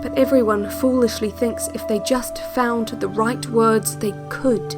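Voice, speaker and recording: A woman playing a calm, cryptic narrator of instructional cassettes in an audio drama, speaking in a measured, contemplative, intimate way. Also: fairly high pitch, lightly acted. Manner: measured, deliberate, contemplative delivery. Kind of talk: scripted audio drama monologue over music. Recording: music playing behind the voice. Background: soft new-age music.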